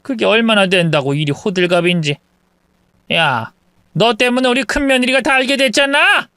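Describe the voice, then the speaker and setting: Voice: mid-range voice, normal speed, sharp tone, clear, resonant tone, no echo, clean studio sound, voice pushed up. A reader voicing a scheming older mother-in-law who runs a family of thieves, speaking with scolding contempt. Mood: scornful.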